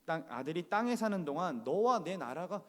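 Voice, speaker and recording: A man's voice: a little high, sing-song, normal speed, fairly bright tone. A male pastor acting out a furious older king who harshly scolds his son, in a sermon retelling. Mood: scolding, furious. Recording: church hall reverb.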